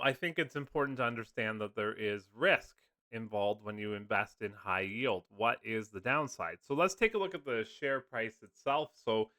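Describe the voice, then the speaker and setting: Recovering from a cold, a man who hosts finance videos walks viewers through funds in a relaxed screen-share explainer full of fillers. His mid-range voice is bright and forceful, and the recording is dry.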